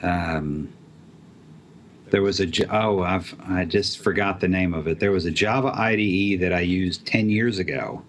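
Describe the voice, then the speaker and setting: A man's voice: sits low, normal speed, slight background noise. A man who develops apps talking casually about programming, with many fillers and restarts. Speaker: app developer guest. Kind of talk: casual tech chat.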